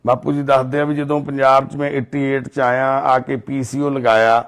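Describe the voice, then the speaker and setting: A man's voice: medium pitch, level tone, moderate pace, clear, resonant tone. Earnest Punjabi man, narrating. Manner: earnest, soothing, speaks of divine duty. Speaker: charity volunteer host. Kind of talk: documentary narration and consoling talk. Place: outdoors in a residential colony.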